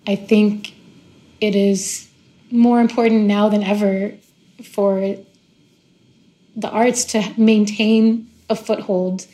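A woman from Israel whose first language is Hebrew, speaking in an earnest, reflective way with pauses as an artist and community organizer. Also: medium pitch, dark tone. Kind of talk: interview soundbite.

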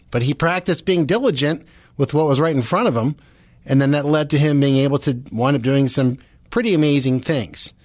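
A man's voice: a little high, dry recording, clean studio sound. A man hosting a Christian talk radio show, speaking conversationally in an earnest, encouraging, explanatory way. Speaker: radio host.

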